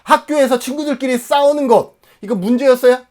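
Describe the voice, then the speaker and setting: A man's voice: very high-pitched, fairly quick, a little mellow. A man in his forties from Jeju Island, South Korea, giving an exam-prep lecture emphatically, asking questions and answering them himself.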